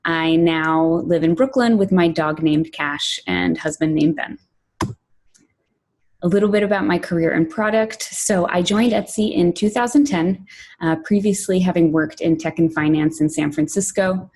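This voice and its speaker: A woman from Poland, raised in New York, giving a prepared conference talk as a product director, measured and clear, with lists and emphasis. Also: fairly low pitch, darkish tone, a little hiss or hum. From Poland, raised in New York City.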